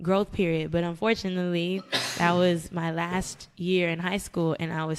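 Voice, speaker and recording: A woman's fairly low voice with an American accent and fairly even intonation. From Inglewood, California. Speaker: singer, songwriter, pianist. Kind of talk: interview answer.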